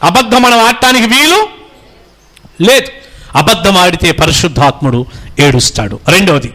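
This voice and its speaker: High, bright-voiced preaching man. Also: expressive, normal speed. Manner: exhorting congregation to repeat phrases; fatherly, calls listeners children. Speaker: pastor. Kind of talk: sermon.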